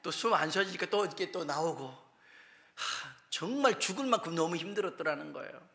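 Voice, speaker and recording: Bright-voiced male pastor telling a story. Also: a little high, animated, a little fast, vocal fry. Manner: dramatic storytelling, dropping to whispers and rising to loud emphasis; conversational with asides and self-corrections. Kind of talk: Sunday morning sermon, storytelling.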